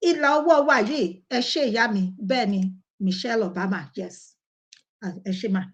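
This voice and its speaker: A woman's voice: a little high, expressive, quick pace, fairly bright tone. A woman with a Nigerian Yoruba accent, hosting a casual talk show and chatting conversationally to her viewers. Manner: conversational, addresses viewers by name.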